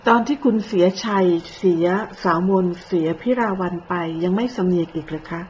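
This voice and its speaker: A woman's voice: fairly low pitch, a little fast, a little mellow. A woman in the middle of her range lays into her targets with accusing, cutting commentary, moving from polite speech to crude speech. The recording sounds a little dull, with a faint hiss of noise behind her. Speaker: online commentator. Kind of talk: scolding commentary.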